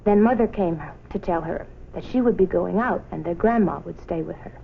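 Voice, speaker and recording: A woman reading a children's story as an expressive scripted narration. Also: on the low side, moderate pace, gravelly. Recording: muffled noisy old film soundtrack.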